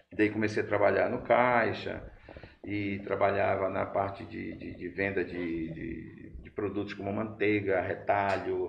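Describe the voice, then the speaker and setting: There is audible room echo as a man speaks at a fairly slow pace. His pitch is fairly low and his intonation fairly even. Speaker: teacher. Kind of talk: casual chat.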